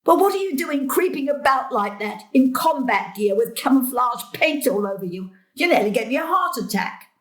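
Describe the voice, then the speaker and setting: A woman's voice: high-pitched, animated, moderate pace, few pauses, reverberant. Actress as a spoilt, theatrical elderly grandmother. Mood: querulous. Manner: imperious, theatrical, querulous. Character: elderly, spoilt, demanding grandmother with fanciful spending sprees. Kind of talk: stage-style audio drama acting.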